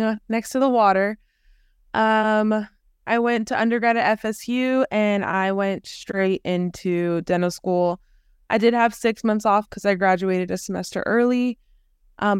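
A woman from Miami, a dental student, giving a relaxed introduction. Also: medium pitch, clean tone, dry recording, studio quality. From Miami, Florida. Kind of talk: casual self-introduction.

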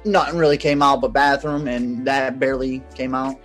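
A man's voice: mid-range voice, level tone, moderate pace, fairly bright tone, soft background music. A man co-hosting a podcast, telling a story in loose, slangy, rambling casual chat full of fillers. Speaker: podcast co-host.

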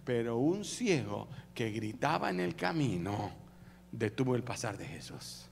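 A male pastor from Guatemala preaching an animated, humorous sermon and acting out scenes. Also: mid-range voice, unhurried, creaky. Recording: long reverb of a church hall with faint hum.

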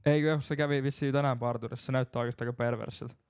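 A man's voice: medium pitch, steady tone, darkish tone, smooth, no room sound, clean studio sound. A young man co-hosting a podcast, rambling and teasing in casual banter. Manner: rambling, teasing, laughs easily. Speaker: podcast co-host.

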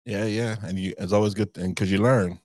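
A man's voice: lowish voice, fairly even intonation, a little fast, darkish tone, no echo, studio quality. A man hosting a podcast in a casual, friendly way, chuckling often and repeating himself. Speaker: podcast host. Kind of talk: casual chat.

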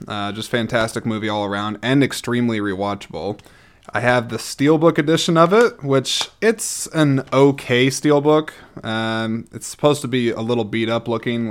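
A man's voice: mid-range voice, fairly bright tone. A man hosting a casual solo vlog, rambling along in a chatty, enthusiastic way as he gives his opinions. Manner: enthusiastic, chatty, frequent throat-clearing. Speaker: host reviewing own movie collection.

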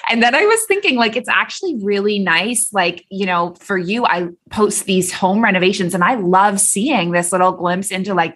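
A woman's voice: lowish voice, fairly bright tone. A woman from Canada hosting a podcast, upbeat and enthusiastic with her guest. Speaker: podcast host. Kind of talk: podcast interview.

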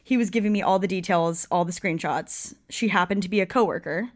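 A woman's voice: on the low side, fairly quick. Woman, twenties, podcast co-host, casual chat, says "like" often, self-deprecating humor. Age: 20s. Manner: lots of "like", self-mocking jokes.

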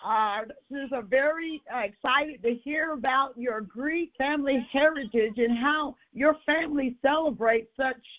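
A woman hosting a radio show, delivering a measured, emphatic devotional message and then interviewing a guest. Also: high voice. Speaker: radio host. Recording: tinny phone-like radio audio.

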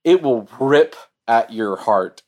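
Excited man recapping an anime. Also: medium pitch. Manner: enthusiastic, halting with fillers and restarts. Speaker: podcast co-host. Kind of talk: casual anime review chat.

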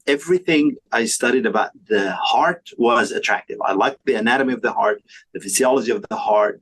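A man's voice: medium pitch, a bit bright, breathy edge, rough recording. A man in his fifties from Egypt, a pathologist talking through his career in an interview, thoughtful and full of fillers and restarts. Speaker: podcast guest, pathologist. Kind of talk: conversational interview.

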